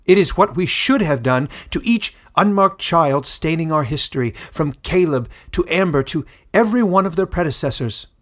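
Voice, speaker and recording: A man playing a commanding, zealous tribal elder, giving loud ceremonial oratory in a fantasy audiobook. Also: a little high, animated, normal speed, few pauses, voice pushed up, close to an everyday voice. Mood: zealous, proclaiming.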